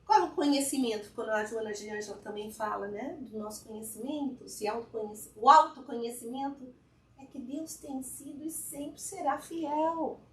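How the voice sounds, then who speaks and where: High-voiced woman in an echoey hall. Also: moderate pace, fairly bright tone. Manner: chatty, often asks the audience "né?". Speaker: guest speaker at a spiritist fellowship. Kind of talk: informal spiritual talk to an audience. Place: lecture hall with a live audience. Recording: echoey hall, mic at a distance.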